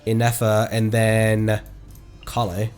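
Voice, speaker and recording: A man's voice: fairly low pitch, completely flat delivery, takes it slowly, music in the background. A man livestreaming a video game, chatting casually and thinking aloud in a rambling way as he plays. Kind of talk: casual gameplay stream commentary.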